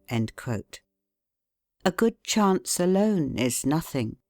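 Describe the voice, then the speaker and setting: The clip is scripted audiobook narration of a classic self-help book, read by a woman whose voice is notably low. She is measured and deliberate, leaning on key words with steady pauses. Quiet instrumental music plays underneath, and there is no room sound.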